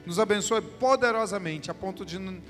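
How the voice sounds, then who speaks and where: A man's voice: high-pitched, normal speed, fairly bright tone. A man, a pastor giving church notices and then praying. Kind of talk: church announcements and prayer. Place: church sanctuary with worship music. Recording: reverberant hall with music behind.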